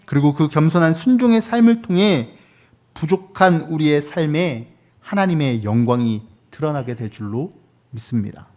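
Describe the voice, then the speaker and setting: Korean man preaching, slightly high voice. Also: darkish tone. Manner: conversational preaching with acted quotes and rhetorical questions. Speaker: pastor. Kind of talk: sermon.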